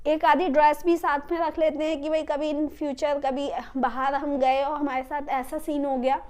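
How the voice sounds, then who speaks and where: Indian woman teacher, high voice, explains phrases slow and patient. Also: a little mellow. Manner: explains slowly, repeats English phrases clearly. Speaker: English teacher. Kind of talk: classroom-style spoken lesson.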